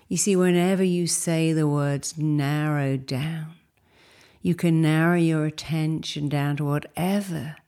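A woman leading a guided meditation in a soothing, unhurried, instructive way, with a soft voice that turns breathy at phrase ends. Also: low-pitched, fairly even intonation.

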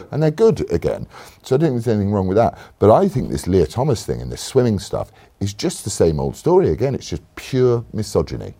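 A man hosting a casual political chat, animated and jokey, with sudden mocking asides. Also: on the low side. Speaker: interviewer and podcast host.

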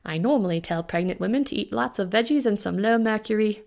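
A woman voicing a brisk, wry older woman doctor with a British accent and a dry, teasing manner. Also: mid-range voice, gravelly, darkish tone, voice pushed up, lightly acted.

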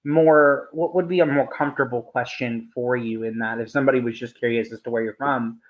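A man co-hosting a casual conversation, playful and quick with joking asides. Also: medium pitch, fairly even intonation. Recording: dull, muffled lo-fi audio.

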